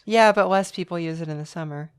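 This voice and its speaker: A woman's voice: fairly low pitch, fast, smooth. A woman co-hosting a podcast in casual chat, wry and rambling, often restarting her sentences. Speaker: podcast co-host.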